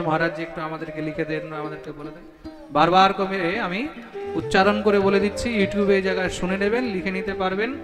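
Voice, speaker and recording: A man giving a devotional discourse, chanting verses slowly and calling out questions to his listeners. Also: sits high, long reverb tail. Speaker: Bhagwat preacher.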